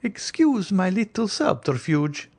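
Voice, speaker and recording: A man's voice: high-pitched, very animated, measured pace, a little mellow, breathy edge, pitched above the performer's own voice, heavily acted. A man voicing a frightened, imperious Italian countess in an audiobook, speaking with dramatic emphasis and formal, old-fashioned phrasing. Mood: anxious, pleading. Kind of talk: audiobook character acting.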